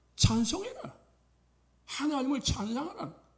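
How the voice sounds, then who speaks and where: A man talks with lively intonation. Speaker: pastor. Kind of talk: sermon. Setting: church.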